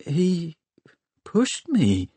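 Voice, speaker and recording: A man's voice: a little high, very animated, takes it slowly, darkish tone, breathy edge, no echo, voice pushed up, heavily acted. A man voicing a bewildered, naive and loyal young city man in an audiobook, earnest and pleading. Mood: amazed, subdued. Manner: earnest, pleading, wobbly when upset. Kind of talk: audiobook character dialogue.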